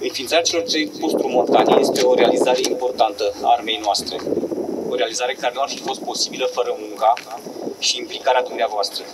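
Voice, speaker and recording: Fairly quick speech from a man against noticeable background noise. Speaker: senior gendarmerie official. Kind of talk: ceremonial speech. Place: open country. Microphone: handheld.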